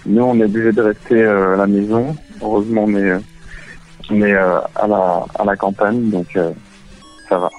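A man's voice: on the low side, little pitch movement, moderate pace. A man with an accent from France, a guest in a casual phone interview, talking hesitantly as he searches for words. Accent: French from France. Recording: dull band-limited phone line, faint music. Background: faint music.

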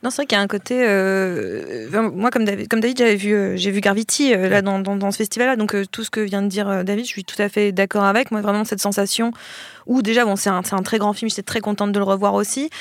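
Woman, film podcast panelist, casual chat, halting with fillers, dry close sound. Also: medium pitch, dry recording. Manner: hesitant, many fillers and restarts.

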